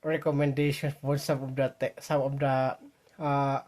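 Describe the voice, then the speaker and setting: A man with a Filipino accent talks casually to viewers in an unboxing vlog, halting and repeating himself as he thinks aloud. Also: mid-range voice, flat delivery, a little mellow. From Philippines. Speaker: vlogger. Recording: noisy home recording with clicks.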